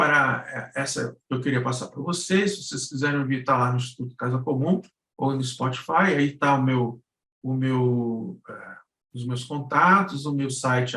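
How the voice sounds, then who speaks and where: A man with a Brazilian accent giving a casual explanation as a guest, halting and searching for words, in an echoey room. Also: medium pitch, bright, forceful tone. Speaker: guest presenter, radio drama producer, cultural policy consultant.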